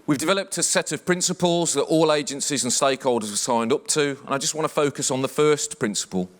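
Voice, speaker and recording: Black Country man giving a conference talk. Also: on the high side. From English West Midlands. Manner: measured, formal briefing delivery. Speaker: police chief superintendent. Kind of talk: conference presentation.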